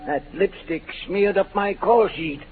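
A man's voice: high voice, a little slow, loud music behind the voice. A man playing a folksy, wry older stage doorman in a 1940s radio drama. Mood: wry, friendly. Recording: muffled, noisy old radio recording.

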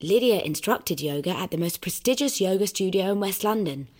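An actress narrating a comedy as a gentle, soft-spoken narrator. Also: female voice, medium pitch, fairly quick, natural voice. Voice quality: soft, calm delivery. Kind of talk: scripted comic narration. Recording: music playing behind.

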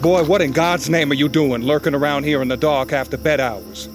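Brief: actor doing a cold commanding slave master, threatening, over a loud music bed. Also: male voice, on the high side, fairly quick, natural voice. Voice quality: menacing, commanding. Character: menacing plantation master, armed and cruel. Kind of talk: audio drama acting.

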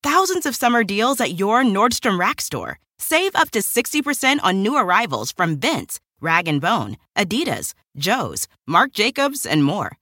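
A woman announcer delivers an upbeat ad with punchy emphasis. Her tone is bright and sharp, and her pitch leaps all over the place. The sound is dry and close. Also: very animated, a little slow, few pauses, no room sound. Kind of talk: upbeat retail ad read.

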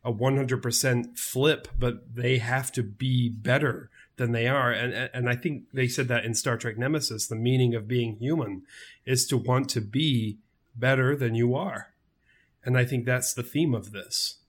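A man's voice: mid-range voice, fairly even intonation, measured pace, husky. A man speaking enthusiastically in a casual podcast chat, laughing easily.

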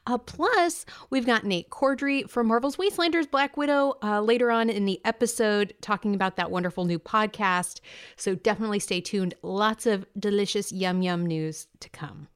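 A woman's voice: mid-range voice, moderate pace, clean tone. A woman co-hosting a podcast in casual chat, bubbly and playful. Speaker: podcast co-host.

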